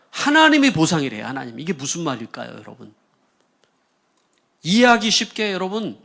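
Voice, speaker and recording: A male pastor preaching a sermon, asking the congregation questions and acting out the voices in the quoted passages. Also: a little high. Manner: animated preaching, asks the congregation questions, acts out quoted speech. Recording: church service stream.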